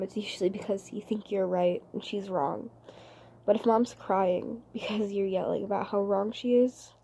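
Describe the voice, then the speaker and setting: A woman playing an earnest twelve-year-old girl in an audition monologue, soft-spoken, halting and sincere as she pleads with her father. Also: mid-range voice, gravelly, a little hiss or hum, close to an everyday voice. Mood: hurt, earnest.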